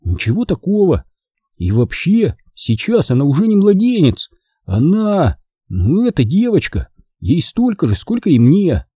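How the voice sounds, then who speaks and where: A man's voice: a little high, wildly swooping pitch, a little slow, dark tone, slightly rough, dry recording, clean studio sound, voice pushed up, full character voice. A man voicing an earnest, serious young boy in an audiobook. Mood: explaining. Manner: earnest, hesitant.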